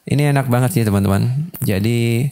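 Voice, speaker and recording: A man's voice: medium pitch, fairly quick, mellow. A man presenting a casual tutorial and product review, explaining things step by step to viewers he addresses as friends.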